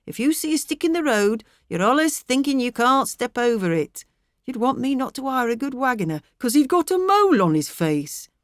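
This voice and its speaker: A woman's voice: sits high, sing-song, moderate pace, no room sound, studio quality, voice pushed up. A woman voicing a stubborn, blustering middle-aged miller with a rural English accent, in emphatic, ruminating dialect, for an audiobook. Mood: defiant.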